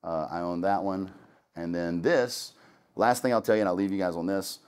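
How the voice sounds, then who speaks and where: A man's voice: low-pitched, fairly even intonation, moderate pace, a little mellow, clean tone. A man, casually and candidly talking a student audience through his start in real estate, with many restarts. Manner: candid and conversational, with many restarts and "long story short". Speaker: real estate investor giving a talk.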